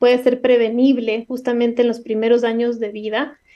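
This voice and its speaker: The voice has a dark, mellow tone and monotone, flat intonation. The background is quiet. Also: woman. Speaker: guest. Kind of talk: interview answer. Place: home room. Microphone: video call.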